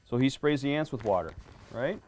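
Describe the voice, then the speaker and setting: A fairly quick, expressive man's voice, medium in pitch and darkish in tone, belongs to a middle-aged police lieutenant reading a picture book to schoolchildren. Friendly throughout, he quizzes the class often and keeps saying "right?"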